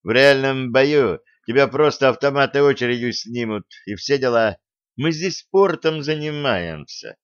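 A man voicing a gruff, angry middle-aged fencing coach who scolds and shouts. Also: medium pitch, a little slow, dry recording, highs cut off, lightly acted. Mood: angry scolding.

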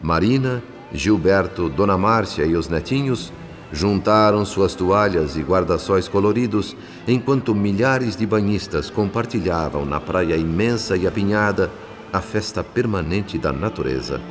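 An actor with a Brazilian accent playing a gentle, reflective spirit who narrates a radio drama in a measured, solemn way. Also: male voice, low-pitched, animated. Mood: tender, solemn. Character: gentle, reflective male spirit narrator telling a family's story. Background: background music.

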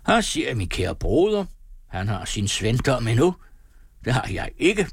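A man's voice: mid-range voice, very animated, creaky, breathy edge, no echo, studio quality, exaggerated voice. A man doing a swaggering, rowdy lieutenant. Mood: boisterous. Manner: loud, teasing, swaggering. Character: boisterous, rakish young male army lieutenant.

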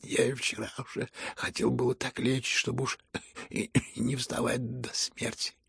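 A man reading a storybook who voices a dying young man, calm and ironic, speaking hoarsely at barely a whisper. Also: mid-range voice, normal speed, dry recording, clean studio sound. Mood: weary.

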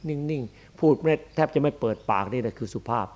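A man's voice: medium pitch, brisk, darkish tone. A man, a Buddhist monk, giving a dharma sermon in a blunt, emphatic, demonstrative way. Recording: dull lo-fi archive recording.

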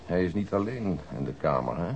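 An actor playing a patient, courteous police detective in a radio drama, calm, polite and coaxing. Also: male voice, low-pitched, brisk, gravelly. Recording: muffled, noisy old radio drama recording.

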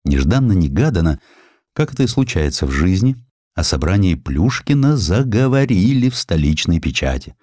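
A male audiobook narrator with a low voice tells a historical sketch. His delivery is dramatic and very lively in pitch, with a touch of folksy irony. The sound is close and dry. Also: moderate pace, no room sound. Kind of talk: expressive scripted storytelling of historical sketches. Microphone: close studio microphone.

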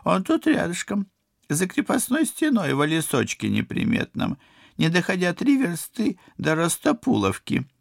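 A man puts on a raised, lively voice for a cunning old granny in a storybook, folksy and wheedling. The sound is close and dry. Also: sits high, measured pace, creaky, no room sound, voice pushed up, exaggerated voice. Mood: conspiratorial. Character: old village crone, shrewd and motherly.

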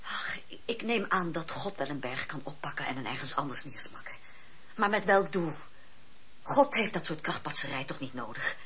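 A woman playing an earnest, compassionate and questioning devout lady in a Dutch radio play, with deliberate, emphatic phrasing. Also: sits low, animated, a bit bright, breathy edge, heavily acted. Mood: pleading. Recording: dull old radio recording with hiss.

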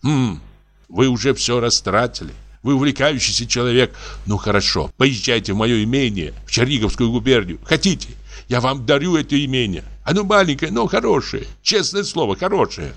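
A man voicing a desperate, jealous gentleman imploring his rival to leave, in an audiobook reading. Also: mid-range voice, lively intonation, a little fast, voice pushed up.

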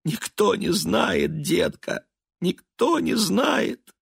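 A man's voice: mid-range voice, lively intonation, moderate pace, no echo, studio quality, pitched above the performer's own voice, close to an everyday voice. A man voicing an aging, stubborn, self-pitying mother, in a raised, fussy, plaintive tone. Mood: tearful. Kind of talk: audiobook character voice.

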